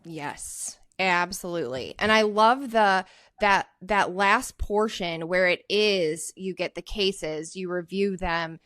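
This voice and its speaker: A woman's voice: on the low side, slow, fairly bright tone, no room sound, studio quality. A woman interviewing a guest in a casual, friendly way, affirming the guest's answers as she talks.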